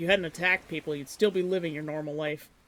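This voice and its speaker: Using a put-on character voice, a man talks very fast at a high pitch. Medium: read story. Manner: stern, firm.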